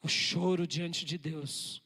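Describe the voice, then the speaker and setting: A man preaching a sermon as pastor, with emphatic swings between loud bursts and soft, tender passages. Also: fairly high pitch, fairly even intonation, takes it slowly, breathy edge, long reverb tail.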